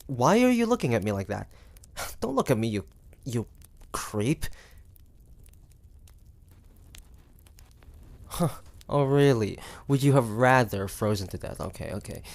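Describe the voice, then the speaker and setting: A man playing a proud, wary, sardonic hunter from the 1850s in an intimate audio drama, halting and full of breathy sighs. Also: mid-range voice, sing-song, no room sound. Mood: indignant, flustered. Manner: halting, breathy sighs, indignant then grudging.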